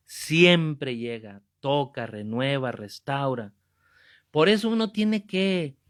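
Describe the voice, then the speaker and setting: A Catholic preacher, teaching a Bible class in a fervent, emphatic way and repeating key phrases. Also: male voice, medium pitch. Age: 50s.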